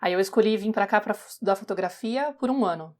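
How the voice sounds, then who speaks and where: A woman shares her story on a podcast. Her mid-pitched voice is conversational and relaxed, with small restarts here and there. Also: fast. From São Paulo, Brazil. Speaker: podcast co-host, journalist. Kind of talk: casual personal storytelling.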